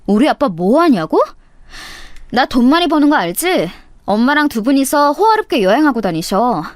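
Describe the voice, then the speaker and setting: A woman's voice: high-pitched, sing-song, moderate pace, no room sound, clean studio sound. A woman voicing a spiteful, snobbish woman classmate who taunts and mocks. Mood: flustered. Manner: mocking, taunting.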